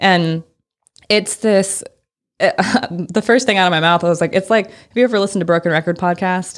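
A woman speaks fairly quickly at a medium pitch with fairly even intonation, in a plain, everyday voice. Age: 20s. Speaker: podcaster and photographer. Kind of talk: casual chat.

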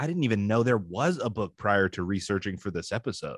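A man uses an ordinary speaking voice at fairly low pitch, with lively intonation and a moderate pace. The sound is dry and close with no echo, against a quiet background. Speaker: podcast co-host. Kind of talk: casual chat.

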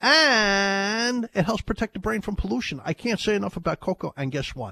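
A man speaks at a fairly quick pace with very wide pitch swings, a dry, close sound with no echo and a quiet background. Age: 60s. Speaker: radio host and pharmacist nutritionist. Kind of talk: health radio talk and product promotion.

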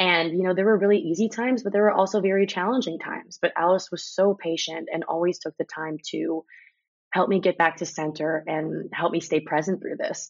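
A woman speaks with a General American accent in an unremarkable speaking voice. Her pitch is medium, her pace fairly quick, and her pitch variation ordinary. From US South, Orlando, Florida. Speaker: actress. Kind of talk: interview. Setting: video call.

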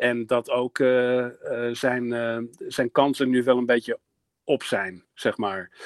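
A man speaks at a medium pitch in a monotone, flat way. His very slow delivery sounds dry and close with no echo. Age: 40s. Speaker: music journalist and columnist. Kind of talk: casual chat. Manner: halting.

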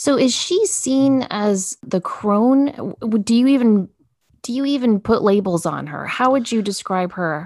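Speaking at a fairly slow pace, a woman with a plain, everyday voice uses lively intonation at a fairly high pitch. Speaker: podcast host. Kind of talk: interview.

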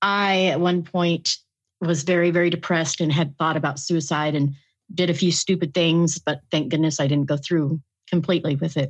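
Against a quiet background, a woman speaks at a moderate pace in an unremarkable speaking voice, fairly low in pitch, with fairly even intonation and very even loudness. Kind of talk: live interview questions, testimony.

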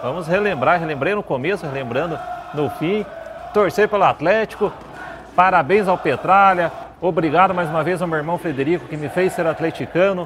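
High-pitched male voice with ordinary pitch variation over noticeable background noise. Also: moderate pace. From Curitiba, southern Brazil. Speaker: football show host. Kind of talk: casual football talk show.

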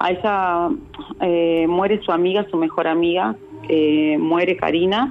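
A woman speaks at a fairly slow pace in a fairly low pitch, with ordinary pitch variation and very even loudness. It is a plain, everyday voice. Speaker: reality TV personality and former politician. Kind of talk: interview, telling a personal story.

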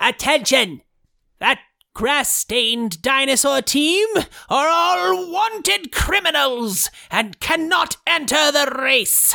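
A put-on character voice speaks at a high pitch and a very slow pace. The recording is very clean with a silent background. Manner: proclaiming, announcing.

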